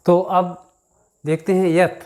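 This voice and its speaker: A man teaching a grammar lesson, reciting word forms in a slow chant and talking to his students as children. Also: high-pitched, level tone, darkish tone. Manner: addresses students as children, frequent "thik".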